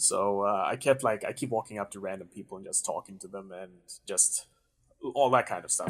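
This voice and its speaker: Speaking at a moderate pace in an American accent, a man's loudness swings widely. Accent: sounds American despite being Swedish. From Sweden. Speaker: podcast guest. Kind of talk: casual chat. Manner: halting, many fillers.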